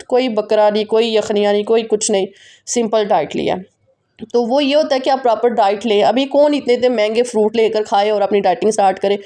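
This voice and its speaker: A woman vlogger with a Pakistani Urdu accent, chatting quickly and directly to her viewers in a casual voice-over. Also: fairly high pitch, mellow. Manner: fast, run-on, talking straight to viewers.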